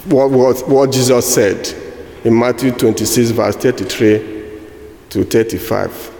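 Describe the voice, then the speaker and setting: A man with a Nigerian accent preaching a sermon, slow and halting with fillers and restarts. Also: mid-range voice, fairly even intonation, gravelly, dark tone. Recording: echoey hall with long reverb.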